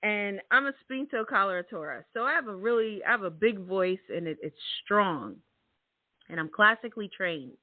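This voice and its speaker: Woman host, middle-aged, deliberate motivational delivery, thin dry sound. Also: medium pitch, expressive, no room sound, phone-quality sound. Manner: emphatic, repeats key words, laughs often. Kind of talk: motivational talk.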